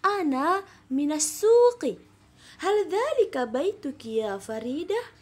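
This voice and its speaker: Friendly curious schoolgirl read by a woman teacher, high voice, slow careful textbook reading. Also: very animated, a little mellow, heavily acted. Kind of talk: reading a textbook dialogue aloud.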